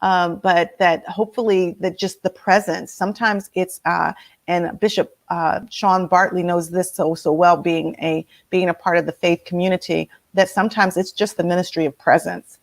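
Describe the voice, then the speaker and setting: A woman's voice: lowish voice, steady tone, moderate pace. A woman host with a slightly nasal voice, leading a casual motivational talk and asking her listeners many questions.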